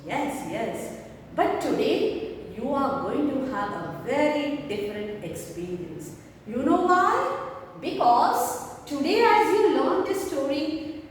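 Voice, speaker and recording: A woman teacher leading a value-education lesson for young children, asking lots of coaxing questions. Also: high-pitched. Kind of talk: online class storytelling lesson. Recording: echoey room, mic far off, faint noise.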